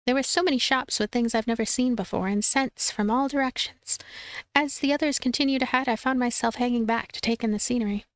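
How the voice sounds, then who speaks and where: A woman's voice: on the high side, brisk, dry recording. A woman hosting a let's play, reading and narrating a visual novel.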